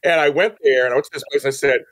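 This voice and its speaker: A middle-aged American man telling stories casually as an interview guest, chatty and quick to act out what people said. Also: medium pitch. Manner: chatty, animated, acts out quoted remarks. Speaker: podcast guest, entertainment reporter and host.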